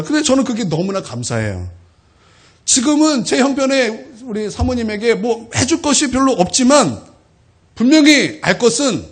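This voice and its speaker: A male pastor in his thirties preaching a sermon, telling a heartfelt, emotional personal testimony to his congregation. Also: very high voice.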